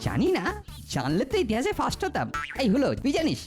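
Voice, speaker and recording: A woman's voice: fairly high pitch, huge pitch swings, fast, darkish tone, faint music behind. A woman voicing a cheeky, boastful older boy in a Bengali children's cartoon, with a theatrical, teasing way of talking. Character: cheeky older boy, swaggering hero of younger pranksters.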